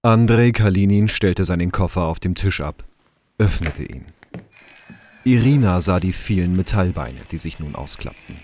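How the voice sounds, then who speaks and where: A man's voice: low voice, lively intonation, moderate pace, darkish tone, no room sound. A man reading scripted narration as the storyteller of a radio drama.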